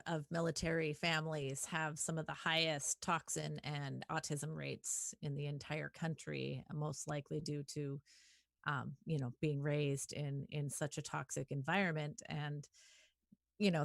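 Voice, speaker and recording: Woman moderator, low gravelly voice, relaxed, dry video-call sound. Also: dry recording. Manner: relaxed, reads out audience questions. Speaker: town hall moderator. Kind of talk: moderating a video town hall.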